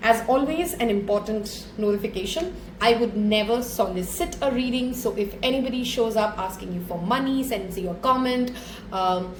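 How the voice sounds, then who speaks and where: A woman speaks at a moderate pace in a fairly high pitch with ordinary pitch variation. Noticeable background noise and audible room echo are present. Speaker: tarot reader. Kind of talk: tarot reading. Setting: home video recording on camera.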